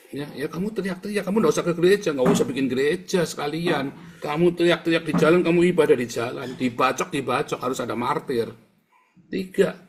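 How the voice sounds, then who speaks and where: A man's voice: medium pitch, a little hiss or hum. A man preaching a fiery sermon, addressing listeners directly and bluntly. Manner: forceful preaching, keeps addressing listeners as brothers. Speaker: pastor.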